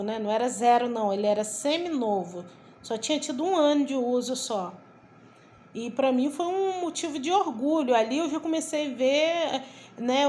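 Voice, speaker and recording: A woman's voice: fairly high pitch, slight background noise. A middle-aged woman with a Brazilian Portuguese accent giving a personal faith testimony, telling it vividly and acting out the quoted dialogue. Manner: lively storytelling, acts out quoted dialogue, repeats herself. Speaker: testimony speaker.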